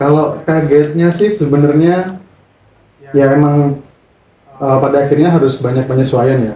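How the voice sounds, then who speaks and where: Fairly slow and very even in loudness, a man talks in a plain, everyday voice at fairly high pitch with fairly even intonation. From East Java (Situbondo, Madurese community). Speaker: designer. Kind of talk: podcast interview.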